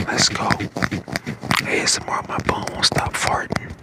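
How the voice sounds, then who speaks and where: A man in his twenties from St. Louis, hoarse and getting over a lost voice, chatting casually to his live stream in a whisper that cracks in and out. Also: a little slow. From St. Louis, Missouri, USA. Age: 20s. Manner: whispering throughout.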